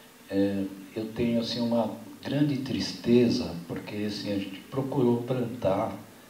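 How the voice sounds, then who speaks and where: Amid noticeable background noise and audible room echo, a man talks with fairly even intonation. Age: 70s. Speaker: arts administrator and film technician. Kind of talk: panel discussion. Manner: halting, many fillers.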